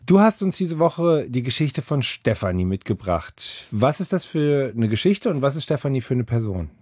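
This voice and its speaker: A male radio host opens the show and chats with his colleague in a smooth, practised presenter voice. His pitch is mid-range and the recording is close and dry. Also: sing-song, normal speed, a little mellow, no room sound. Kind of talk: scripted show introduction and conversation.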